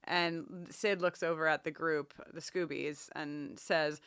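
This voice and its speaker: A woman co-hosting a podcast, chatting casually about a TV show in a wry, animated way and often interrupting herself. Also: sits low, slow, smooth, dry recording, clean studio sound. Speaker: podcast co-host.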